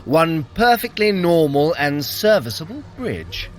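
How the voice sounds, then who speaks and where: A man's voice: on the high side, big pitch swings, a little slow. An actor playing a sly, haughty trickster god in an audio drama, sardonic, smug and theatrical as he bickers with his brother. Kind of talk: scripted audio drama acting.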